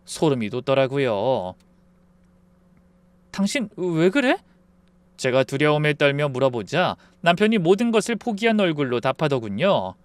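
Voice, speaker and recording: Male narrator, scripted first-person story, smooth crisp voice, dry close mic. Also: medium pitch, expressive, brisk, few pauses, dry recording.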